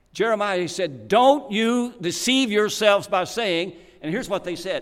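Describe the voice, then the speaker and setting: The speaker is a man. He talks with a Kentucky accent. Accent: Southern US (Kentucky). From Kentucky, US South. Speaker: guest preacher. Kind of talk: sermon. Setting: church with congregation. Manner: folksy, storytelling.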